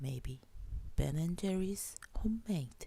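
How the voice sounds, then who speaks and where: Lively intonation marks this woman's speech. Her tone is dark and mellow. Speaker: diet YouTuber who runs a diet channel. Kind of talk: casual talk to camera, humorous ASMR parody. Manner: loud, failing to whisper, humorous.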